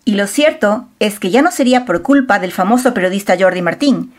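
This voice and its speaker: A woman's voice: mid-range voice, expressive, fairly quick. A woman reading a scripted celebrity gossip news voice-over in a dramatic, storytelling manner on a close mic. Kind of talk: scripted narration.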